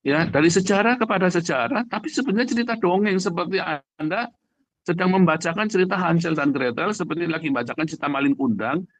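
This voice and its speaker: A man preaching in a conversational, emphatic way, repeating phrases for emphasis and addressing listeners directly, with a husky voice. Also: a little high, dry recording. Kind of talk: livestream sermon, conversational and emphatic.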